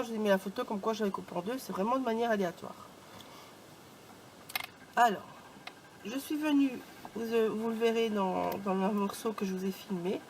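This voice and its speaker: A woman's voice: on the high side, slight background noise, rough recording. A woman giving a casual craft tutorial for her channel, chatty and informal, stringing her steps together with "donc" and "voilà". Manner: chatty, peppered with "donc" and "hop". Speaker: craft YouTuber.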